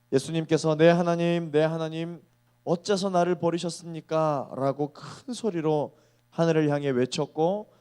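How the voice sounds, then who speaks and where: A man in his thirties preaching a sermon to young adults, earnest, slowing down to weigh key phrases. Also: a little high, dark tone.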